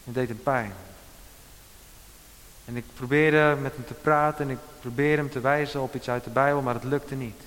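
A man preaching a sermon as pastor, emphatic, with dramatic pauses and quoted lines. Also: medium pitch, steady tone, fairly bright tone, long reverb tail.

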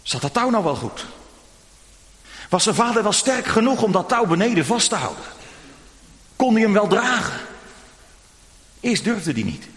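Lively man telling a children's sermon. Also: sits high, moderate pace, pauses often. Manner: gentle storytelling, addressing children directly. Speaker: preacher. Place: church. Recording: long church reverb.

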